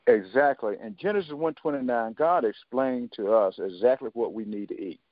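Man in his seventies, halting speech, lots of fillers and restarts, quoting others, dry tinny phone line. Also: mid-range voice, no echo. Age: 70s. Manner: storytelling, quoting others in dialogue. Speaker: guest. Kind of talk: interview on a talk radio show.

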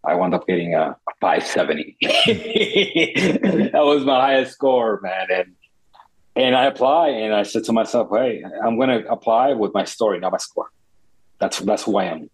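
A man's voice: on the low side, husky, poor audio. A man from the Dominican Republic, a startup founder telling his story in an interview, earnest and reflective with many restarts.

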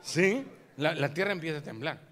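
A man preaching a dramatic sermon as a pastor, acting out scenes and jumping from shouts to hushed lines. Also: fairly high pitch, expressive, normal speed. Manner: acts out scenes, shouts exclamations, swings between loud and hushed.

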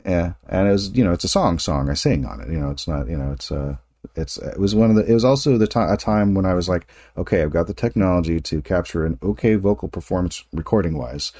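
A man's voice: low-pitched, expressive, quick pace, mellow, dry recording, studio quality. A man in his late forties hosting a casual interview, talking in a rambling, self-correcting way with frequent laughs. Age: 40s. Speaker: podcast host.

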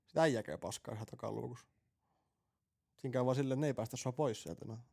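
Gravelly man rambling through crude stories. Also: mid-range voice, lively intonation, dark tone. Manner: rambling storyteller, swears freely, laughs. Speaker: podcast co-host. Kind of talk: casual crude banter.

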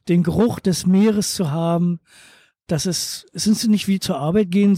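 A man from eastern Germany who runs a beach bar and holiday flats, answering interview questions in a relaxed, plainspoken way. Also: high-pitched, no room sound, clean studio sound.

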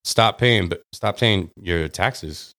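A man co-hosting a podcast in casual banter, blunt, jokey and quick to swear. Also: low voice, pushed and bright. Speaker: podcast co-host.

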